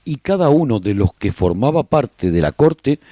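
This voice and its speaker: A man narrating a radio drama as an earnest, resolute survivor chronicling his colony in a solemn, deliberate way. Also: mid-range voice, very animated, mellow, dry recording, studio quality. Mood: measured, solemn.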